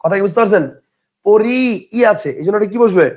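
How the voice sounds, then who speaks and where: A young man with a high-pitched, darkish voice teaches an online grammar lesson. He repeats words slowly and answers his own questions.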